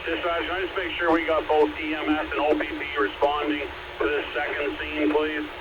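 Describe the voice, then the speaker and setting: A man's voice: a little high, monotone, brisk. A male firefighter giving terse procedural radio traffic over a two-way radio. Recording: muffled radio scanner, very loud noise.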